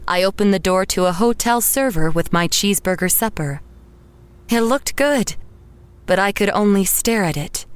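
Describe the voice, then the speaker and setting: An actress playing a haunted woman painter who narrates horror in a measured, literary way. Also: mid-range voice, lively intonation, a little hiss or hum, lightly acted. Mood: uneasy, haunted. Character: haunted woman painter narrating her own murder, dazed and grim. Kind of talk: first-person horror audio drama narration.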